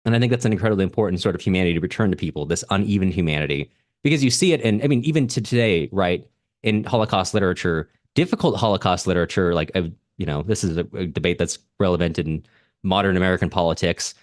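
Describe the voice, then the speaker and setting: Casting: man with a low voice as literary podcast co-host. Earnest, analytical, informal, recorded dry. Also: fast, no echo. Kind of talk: casual literary discussion.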